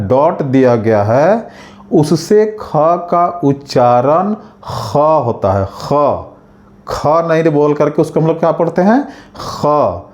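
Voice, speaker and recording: A man teaches a language, sounding out each phrase slowly and repeating it so learners can follow. His voice sits a little high for a man but stays dark and mellow in tone. He talks at a very unhurried pace. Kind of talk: spoken language lesson.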